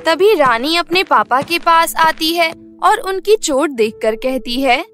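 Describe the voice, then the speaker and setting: A woman narrating a cartoon bedtime story in an even storytelling manner. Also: very high-pitched, slow pace, soft background music.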